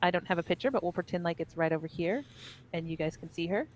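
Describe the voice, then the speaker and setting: A woman's voice: on the low side, fast talker, slight background noise, poor audio. A woman co-hosting an esports stream, explaining the schedule, giveaways and fights in an upbeat, organized way. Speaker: esports co-caster. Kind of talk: casual esports commentary.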